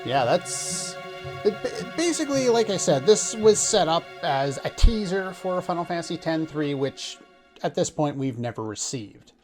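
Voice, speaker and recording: Casual commentator over soft background music. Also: male voice, on the high side, very animated, normal speed. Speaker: let's play host.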